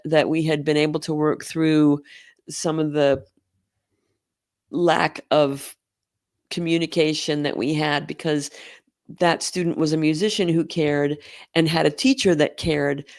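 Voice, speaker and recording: Here a middle-aged school band director from Oregon, US, is interviewed conversationally, laughing freely as she tells warm stories. Her voice is low-pitched, and the studio sound is clean with no echo.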